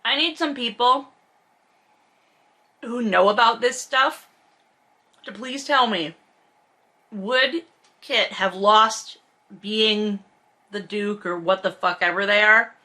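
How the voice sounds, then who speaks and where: Bright-voiced, exasperated, sarcastic woman. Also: mid-range voice, slow pace, pauses often. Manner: blunt, profane, exasperated; sarcastic, emphatic. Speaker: host of a book read-along. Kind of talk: reading aloud with sarcastic casual commentary.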